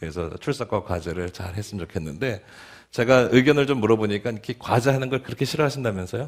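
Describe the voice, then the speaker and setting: This man's voice sits at a medium pitch. He speaks at a very fast pace. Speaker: pastor teaching Bible study. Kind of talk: Bible study lecture.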